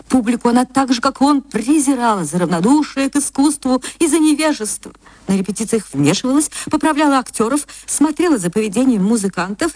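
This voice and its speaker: A woman narrating a classic story in a gentle, measured literary reading. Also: a little high, dry recording.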